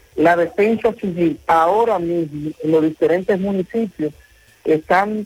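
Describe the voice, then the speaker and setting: A man's high-pitched voice with fairly even intonation, dry and close with no echo. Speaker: civil defense official. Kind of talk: radio interview.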